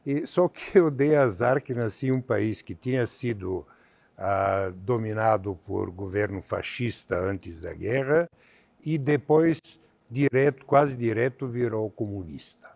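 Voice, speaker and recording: A Bulgarian man in his seventies, with a Bulgarian accent, is interviewed as a guest on a theater stage for a TV talk show, speaking in a measured, halting way with many fillers. His lowish voice is gravelly and a little mellow, with no echo.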